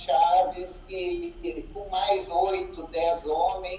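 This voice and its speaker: A woman talks very slowly, and room echo can be heard around her words. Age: 60s. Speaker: property owner client. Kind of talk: testimony.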